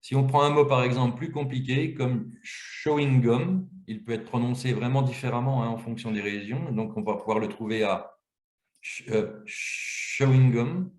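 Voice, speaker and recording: Man demoing software in a roomy echo. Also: medium pitch, steady tone, a little fast. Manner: explanatory, walks through screens step by step. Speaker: webinar presenter. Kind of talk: webinar software demonstration. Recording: roomy, echoey webinar audio.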